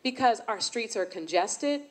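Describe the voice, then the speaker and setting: A woman from San Francisco, a mayoral candidate, giving an earnest, measured debate answer and sometimes stumbling over names. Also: on the high side, lively intonation. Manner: earnest and measured, slightly tongue-tied.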